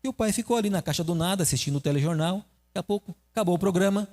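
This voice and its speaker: High-voiced male pastor preaching in a hall. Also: racing, a little mellow. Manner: storytelling, conversational with rhetorical questions. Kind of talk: sermon.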